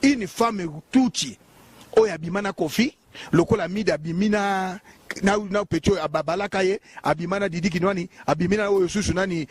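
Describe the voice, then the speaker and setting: A man's voice: high voice, slightly rough. A man with a Congolese accent, a bishop giving a heated, emphatic, repetitive political monologue.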